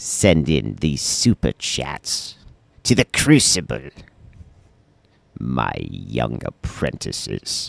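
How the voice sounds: A man puts on a sinister character voice, very deep and low, speaking at a very slow pace with long, frequent pauses.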